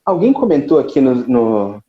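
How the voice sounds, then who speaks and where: A man hosting a live-streamed interview, asking measured, reflective questions. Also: mid-range voice, big pitch swings, muffled recording, slight background noise. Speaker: interview host. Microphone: live video stream.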